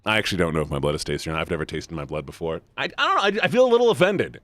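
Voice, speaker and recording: A man's voice: big pitch swings, racing, fairly bright tone, no room sound. A man streaming a visual novel live, reading lines and joking with chat in a playful, laughing way. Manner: playful, jokey, laughing, swings between high and low. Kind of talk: live game commentary and reading aloud.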